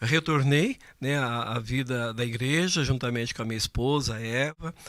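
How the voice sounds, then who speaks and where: A man with a bright, sharp tone and fairly high pitch speaks at a fairly slow pace with ordinary pitch variation, in a very clean recording with a silent background. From Brazil, interior of São Paulo state. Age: 60s. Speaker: permanent deacon. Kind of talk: podcast interview, personal testimony. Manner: hesitant, many filler 'é'.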